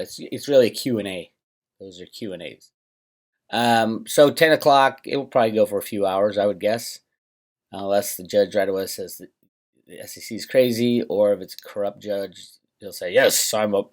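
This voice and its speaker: A man with a fairly low voice hosts a financial vlog. He speaks conversationally to his viewers, giving opinionated market commentary. His delivery is studded with emphatic asides and rhetorical questions.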